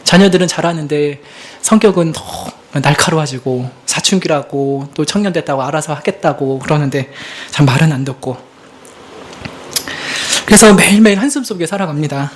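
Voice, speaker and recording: A man in his thirties, a pastor preaching a sermon in an earnest, confessional way, moving between hushed and emphatic delivery. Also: a little high, moderate pace.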